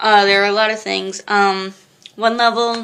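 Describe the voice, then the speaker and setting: Her tone bright and sharp, a woman speaks fairly slowly at a medium pitch in a monotone, flat delivery. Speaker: video game vlogger. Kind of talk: casual talk to camera. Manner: hesitant, stuttering.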